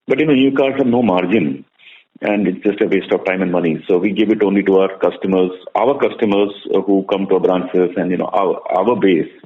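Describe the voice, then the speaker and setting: Low-voiced Indian executive on a muffled call. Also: male voice, steady tone, a little fast. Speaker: bank executive answering analysts. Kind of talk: earnings call answers, conversational. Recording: muffled narrow-band conference call audio.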